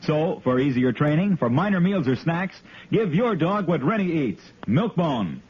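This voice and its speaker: A man announcing a 1950s radio show and reading its ad in a smooth, persuasive way. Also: on the high side, sing-song, moderate pace. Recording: dull old radio broadcast recording.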